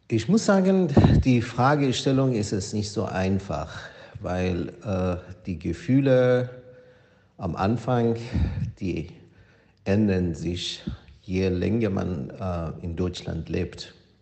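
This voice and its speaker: Speaking very slowly with long, frequent pauses, a man with a Persian accent uses a fairly low pitch and lively intonation amid noticeable background noise and audible room echo. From Iran. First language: Persian (speaking German). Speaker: immigrant. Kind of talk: voice message.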